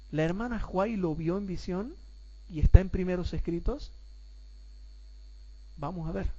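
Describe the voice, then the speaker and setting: A man instructs a Bible class in a mellow, relaxed voice. He fires off rhetorical questions, calls his listeners brothers, and goes over points again so they sink in. The recording sounds dull and lo-fi. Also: high-pitched. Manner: explains slowly and repeats points for clarity.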